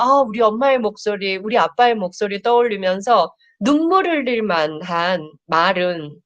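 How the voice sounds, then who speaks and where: A middle-aged woman counselor giving a live-streamed lecture to viewers, warmly reading their chat messages aloud. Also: mid-range voice.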